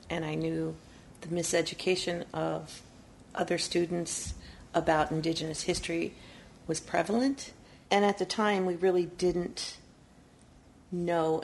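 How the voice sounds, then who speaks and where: A middle-aged woman speaks thoughtfully, pausing often to pick her words. Her voice is low for a woman and gravelly with fry. A faint hum of ambient noise sits behind her. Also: a little mellow. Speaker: mother and Indian education worker. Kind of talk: interview recollection.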